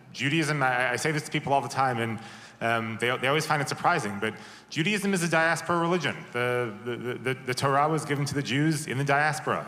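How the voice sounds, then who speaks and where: A man speaks on a panel with a bright, forceful tone. He is thoughtful and often restarts his sentences, and the roomy hall adds a long echo. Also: medium pitch. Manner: thoughtful, with restarts and repeated words. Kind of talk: panel discussion answer. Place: large conference hall. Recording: roomy, echoey hall sound.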